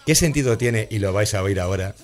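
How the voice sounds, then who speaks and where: A man's voice: on the low side, animated, fairly quick. A man with a Spain Spanish accent hosting a comedy podcast, sarcastic and often laughing mid-sentence. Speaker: radio podcast host. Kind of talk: mocking comedic commentary.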